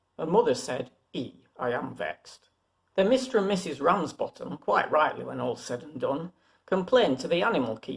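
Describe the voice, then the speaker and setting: With a Lancashire accent, a man talks in very wide pitch swings. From Lancashire, England. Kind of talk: poetry reading.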